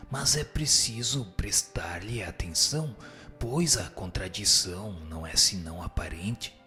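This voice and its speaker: Radio drama: male actor as wise Brazilian spirit, solemn and didactic, very measured pace, low register. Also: bright, forceful tone, exaggerated voice. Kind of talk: scripted radio drama reading of spiritist teaching.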